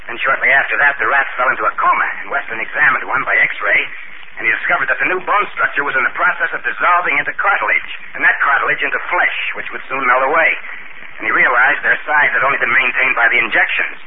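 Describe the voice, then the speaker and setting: Actor as an earnest, reflective hero, old-time radio, tinny and hissy. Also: male voice, mid-range voice, natural voice. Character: shrunken former giant, earnest idealistic man. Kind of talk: 1950s radio drama acting.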